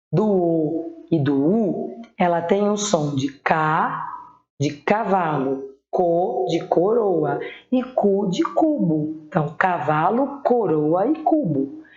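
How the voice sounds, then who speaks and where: A woman's voice: fairly low pitch, a little mellow. Patient woman teacher with Brazilian accent. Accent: Brazilian Portuguese. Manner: patient, spells out words slowly. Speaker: primary school teacher. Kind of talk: online spelling lesson. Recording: echoey room, dull lo-fi sound.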